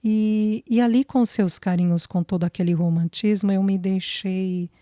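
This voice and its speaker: A woman's voice: medium pitch, steady tone, moderate pace, warm tone, dry recording, natural voice. A woman reading the lines of a young woman in love, fragile and hesitant, close to tears. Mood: tearful. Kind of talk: audiobook dialogue reading.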